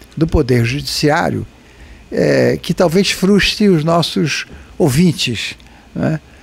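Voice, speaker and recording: Somewhat breathy, a man talks at a fairly slow pace with very wide pitch swings. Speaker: lawyer. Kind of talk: podcast interview.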